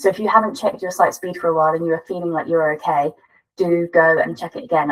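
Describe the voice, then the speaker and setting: Here a woman with a British accent speaks at a very fast pace. Her pitch is fairly low, with ordinary pitch variation. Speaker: marketing agency owner. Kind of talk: webinar presentation.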